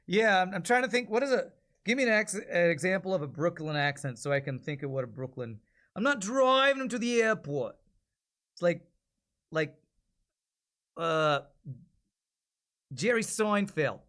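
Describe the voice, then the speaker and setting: A man's voice: fairly high pitch, animated, moderate pace, pauses often, fairly bright tone. A man in his forties chatting casually on a livestream, thinking aloud as he reads and reacts. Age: 40s. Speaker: streamer and amateur voice actor.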